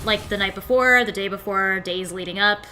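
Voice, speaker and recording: A woman taking part in a casual online training session, upbeat and quick to laugh. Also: medium pitch, background noise. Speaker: student player.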